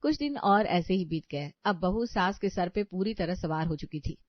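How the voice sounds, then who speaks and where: A woman's voice: fairly low pitch, normal speed, no echo. Woman narrating a cartoon story. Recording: dry, slightly dull audio.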